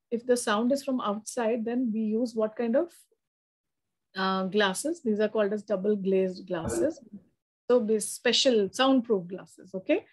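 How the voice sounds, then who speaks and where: A woman with a South Asian accent gives a one-to-one lesson. Her voice sits a little high. She explains as a tutor does, often adding short tags to check that the student follows. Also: a little mellow. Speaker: physics tutor.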